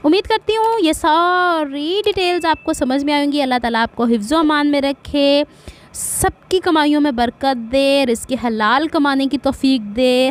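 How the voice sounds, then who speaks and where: A middle-aged woman from Pakistan with a Punjabi accent, giving a chatty sewing tutorial and wandering into asides and blessings. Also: a little high. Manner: speaks slowly on purpose. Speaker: sewing vlogger.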